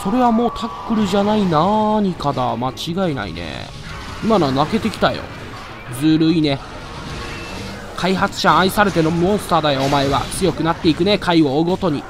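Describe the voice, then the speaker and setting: A man giving excitable live gameplay commentary, loudly taunting and grumbling at the monster he is fighting. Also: fairly high pitch, normal speed. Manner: excitable, trash-talks the monster with rough taunts. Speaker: let's play commentator. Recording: loud game music behind voice. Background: game music.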